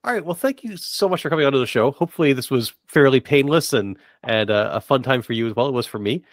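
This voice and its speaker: A man's voice: mid-range voice, expressive, fast, no echo, clean studio sound. A man hosting a podcast, interviewing in a casual, conversational way. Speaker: podcast host.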